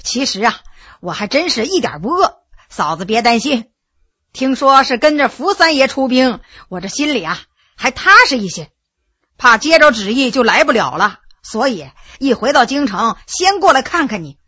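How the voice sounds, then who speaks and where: Easygoing loyal general, colloquial, plainspoken, lively, voiced by a woman, husky. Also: a little high, normal speed, no echo, exaggerated voice. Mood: reassuring. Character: bluff middle-aged Qing general, loyal and easygoing.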